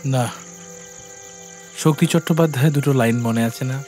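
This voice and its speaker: A man's voice: medium pitch, normal speed, darkish tone, soft background music, close to an everyday voice. A man playing an idealistic, caring village schoolteacher in a film drama. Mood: tender, earnest. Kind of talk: Bengali film drama acting.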